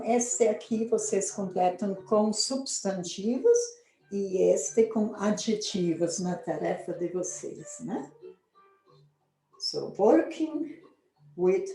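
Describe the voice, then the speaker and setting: A Brazilian woman gives an English lesson in an unhurried, mellow voice. She stretches out each model sentence and often checks in with a quick question. The room is echoey, with faint music underneath. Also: medium pitch. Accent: Brazilian Portuguese. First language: Portuguese. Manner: slow, drawn-out model sentences with frequent "né?" checks. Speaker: English teacher.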